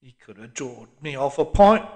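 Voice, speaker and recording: A gruff old man, as a male narrator puts him on, loud and pitched up, dragging his words out slowly with a cantankerous, pugnacious edge. Storybook reading. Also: lively intonation. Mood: grumbling. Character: grumbling old working-class London man. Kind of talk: audiobook character voice.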